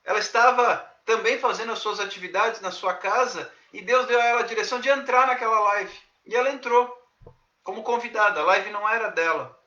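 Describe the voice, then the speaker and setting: A man preaching as a pastor, telling a testimony in an earnest, preacherly way with dramatic pauses. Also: high voice, sharp tone, lo-fi sound. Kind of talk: devotional testimony sermon. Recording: echoey room.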